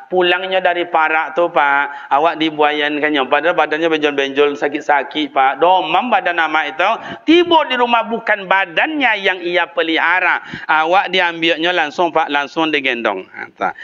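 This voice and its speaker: An older man with a Minangkabau accent giving a sermon in a mosque, telling stories in a lively way with sudden leaps up in pitch and often turning to address his listeners directly. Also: lo-fi sound. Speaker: preacher.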